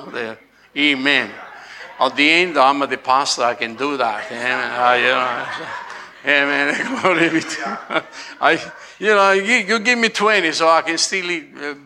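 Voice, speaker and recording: A man's voice: medium pitch, pushed and bright. A man with an Italian accent preaching a jovial, laughing Christmas sermon as pastor, dropping frequent amens.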